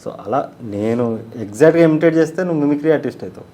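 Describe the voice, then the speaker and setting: A man's voice: on the high side, animated, fast talker, mellow, slight background noise. A man, a film director and actor, answering interview questions in a blunt, self-assured and emphatic way.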